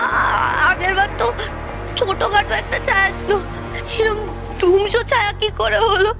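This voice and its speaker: A woman's voice: very high-pitched, fairly even intonation, moderate pace, gravelly, music in the background. An actress playing a bewildered, fretful woman speaking plaintively in a television serial melodrama. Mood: bewildered distress. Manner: plaintive, questioning.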